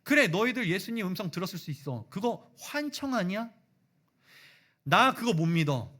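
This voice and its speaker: Pastor doing a scornful doubting disciple. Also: male voice, high voice, sing-song, moderate pace, sharp tone, pitched above the performer's own voice, heavily acted. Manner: mocking, dismissive, insistent.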